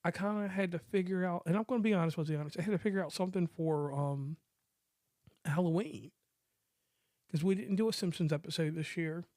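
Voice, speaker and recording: A man co-hosting a casual movie review podcast, talking in a relaxed, rambling, joking way. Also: fairly high pitch, dry recording, studio quality. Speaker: podcast co-host.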